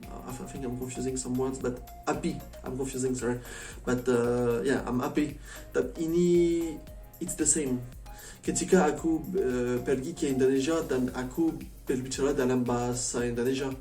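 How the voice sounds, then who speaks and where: A mellow-voiced man with a French accent talks casually to his viewers as a foreigner learning Indonesian. He speaks it haltingly and keeps switching into English. The recording is roomy and distant from the mic. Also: mid-range voice, steady tone. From France. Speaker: vlogger. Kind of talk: casual chat to camera. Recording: echoey room, distant mic, faint music.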